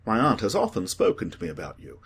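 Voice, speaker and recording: A man voicing a witty, languid aristocratic gentleman with a teasing, ironic manner. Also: fairly low pitch, huge pitch swings, fast, gravelly, breathy edge, heavily acted.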